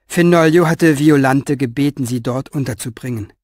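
A man's voice: mid-range voice, moderate pace, no echo, studio quality. Man reading a German audiobook. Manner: expressive storytelling with lively inner voice. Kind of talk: audiobook narration.

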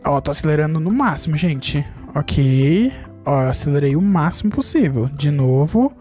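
Faint music plays behind a Brazilian man, a gaming YouTuber, as he delivers excitable play-by-play at a moderate pace. He talks to his audience without letup, his voice leaping upward when caught off guard.

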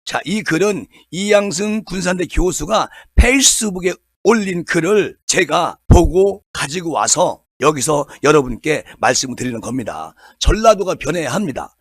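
Give me an emphatic male commentator, high-pitched and very lively, firing off rhetorical questions. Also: breathy edge. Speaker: political commentary channel host. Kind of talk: political commentary monologue.

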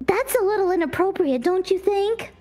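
High-pitched, very animated woman streamer. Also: moderate pace. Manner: animated, giggly, encouraging. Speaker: streamer co-hosting a prank-call show. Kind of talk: excited casual banter. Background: music.

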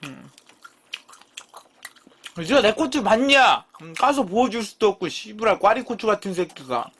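A live-stream eating show host in his thirties chats casually with his audience, teasing, bickering with the chat, and swearing freely. His high, expressive voice moves at a moderate pace and swings widely from low mumbles to loud outbursts, with slight background noise.

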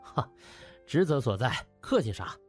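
A man's voice: mid-range voice, very animated, unhurried, soft background music. A man voicing a cocky, affable young male doctor, breezy and ingratiating as he speaks. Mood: breezy, chummy.

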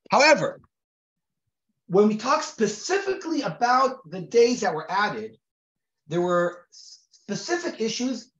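A man's voice: high voice, a bit bright. Male rabbi in his forties, from Israel, conversational lecture style, lots of restarts, roomy and muffled recording. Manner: conversational, many restarts and repeated words; reads Hebrew sources aloud quickly. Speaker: rabbi teaching a class. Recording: roomy, dull lo-fi sound.

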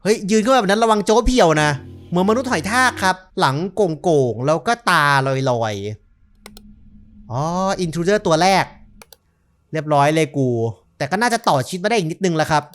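A young man talks through a horror game in loose, casual commentary. He is excitable, swears freely and yelps when startled, and his voice swings widely in pitch. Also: moderate pace. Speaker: gaming YouTuber. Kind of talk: casual let's-play commentary.

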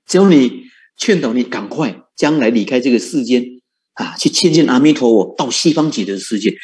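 A man's voice: mid-range voice, expressive, normal speed, a little mellow. A man giving a Buddhist sermon, coaxing his listeners with repeated rhetorical questions and frequent chuckles. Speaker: Buddhist monk teaching.

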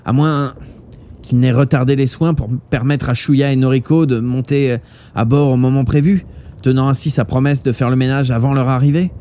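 A man reading a novel aloud live, with expressive narration. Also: medium pitch, moderate pace. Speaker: audiobook reader.

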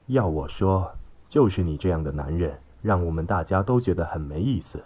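A man's voice: sits low, lively intonation, normal speed, darkish tone. A man voicing a belligerent, contemptuous middle-aged father in an audiobook story, scolding and sneering.

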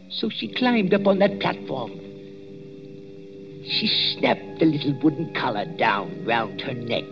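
An actor playing a nervous old male night watchman in a waxworks, hesitant and full of pauses, in a 1940s radio drama on a dull old recording. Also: fairly high pitch, gravelly, heavily acted. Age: older. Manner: hesitant, full of 'uh's, spooky storytelling.

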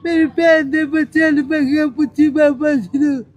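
An older woman, crying as she speaks, pleading softly and haltingly for her son to call her. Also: high-pitched, steady tone. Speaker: mother appealing to her absent son. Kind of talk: tearful plea in conversation.

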